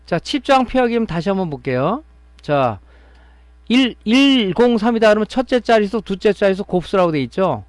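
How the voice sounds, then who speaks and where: A man's voice: high-pitched, animated, moderate pace, no echo. A man teaching electronics repair in a step-by-step classroom style, often checking with his listeners as he explains. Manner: explaining step by step, often adding a tag question to check understanding. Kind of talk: classroom-style technical lecture.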